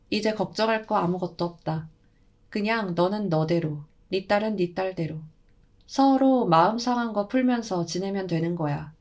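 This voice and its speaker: A woman's voice: mid-range voice, a little mellow, natural voice. A woman voicing an elderly shaman grandmother who lectures bluntly in old-fashioned speech.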